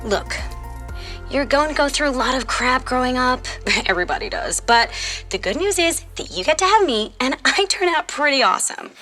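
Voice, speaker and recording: A woman's voice: high voice, very animated, normal speed, sharp tone, soft background music, exaggerated voice. A woman playing a sassy, world-wise fifteen-year-old girl from the future in an audio drama, with casual, sarcastic phrasing. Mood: confident, teasing. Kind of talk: audio fiction drama acting.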